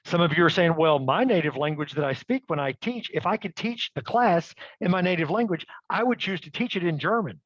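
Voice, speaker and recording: A man's voice: sits high, no room sound, lo-fi sound. A man presenting a live webinar demo, upbeat and checking in with the audience as he goes. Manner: upbeat, addresses audience with "okay?" and "right?".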